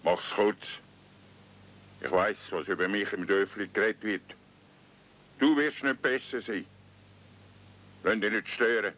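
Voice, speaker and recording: An actor playing a stubborn, embittered old mountain recluse in a radio play, blunt and weighty, with a Swiss German accent. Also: male voice, lowish voice, a little slow, long pauses, fairly bright tone. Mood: curt. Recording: dull 1970s radio-play recording.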